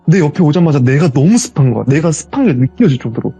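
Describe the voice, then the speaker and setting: A man telling his own ghost story as a guest, in a casual, animated retelling. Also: on the high side, fast talker, slightly rough, soft background music.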